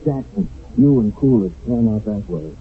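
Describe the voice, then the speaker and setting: American soldier, animated, tinny old radio. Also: male voice, mid-range voice, moderate pace, vocal fry, slightly rough, exaggerated voice. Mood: commanding, steady. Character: weary American army soldier leading a small patrol in wartime. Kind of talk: radio drama acting. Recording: tinny, faintly noisy old radio broadcast.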